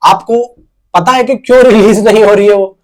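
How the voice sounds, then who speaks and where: High-pitched man, casual commentator. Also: normal speed, darkish tone. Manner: conversational, emphatic, repeats and rephrases his points. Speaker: YouTube film news commentator. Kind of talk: casual unscripted movie-update commentary addressed to viewers.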